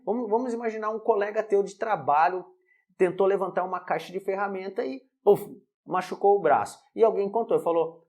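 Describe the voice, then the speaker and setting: A man teaching an online English lesson, repeating example sentences slowly and checking in with "alright?". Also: high-pitched, darkish tone.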